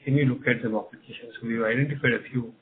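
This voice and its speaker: Man, Indian accent, executive on conference call, mid-pitched, tinny noisy phone audio, repeats phrases. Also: steady tone, racing. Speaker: company executive answering investors. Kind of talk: unscripted conference call answers. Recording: narrow phone line, clear background noise.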